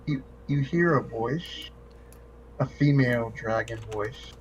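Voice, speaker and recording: A man's voice: mid-range voice, slow. A man acting as game master, casually narrating and chatting through a tabletop role-playing session. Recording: slightly muffled, faint background noise.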